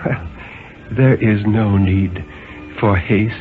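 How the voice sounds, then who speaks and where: A man voicing a gentle, white-haired old bookshop proprietor with a quiet, sympathetic, hesitant way of speaking, in a radio story reading. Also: lowish voice, takes it slowly, phone-quality sound. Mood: kindly, knowing. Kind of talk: 1950s radio dramatic reading. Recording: thin, band-limited 1950s radio recording with music.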